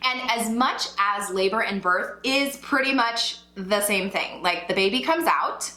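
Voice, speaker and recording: Bright, echoey chatty woman vlogger. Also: mid-range voice, unhurried. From Ecuador. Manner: chatty and upbeat, many likes and slashes. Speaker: birth coach. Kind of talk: casual vlog explainer. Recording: echoey room.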